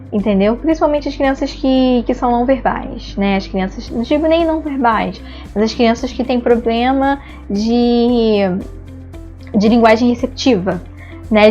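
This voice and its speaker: A Brazilian woman with a Brazilian Portuguese accent teaches an online lesson on ABA therapy, explaining patiently with frequent "né?" tag questions and acting out examples of praise and of saying "no." Her voice is on the high side and a little mellow, and the recording sounds muffled.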